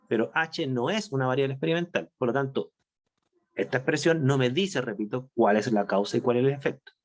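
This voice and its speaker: A man teaching a university chemistry class. He speaks at an ordinary pitch, explaining each point patiently, slowing down to stress what matters and tagging his sentences with quick checks that his students are following. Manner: explanatory, checks understanding with frequent tag questions. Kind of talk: online class lecture.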